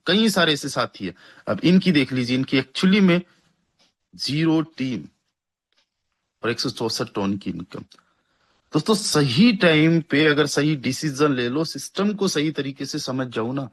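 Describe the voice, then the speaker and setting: A young man delivers a persuasive network marketing pitch, hyping income figures and repeating numbers for emphasis. His voice sits in a middle range and he keeps addressing listeners as friends. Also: a bit bright.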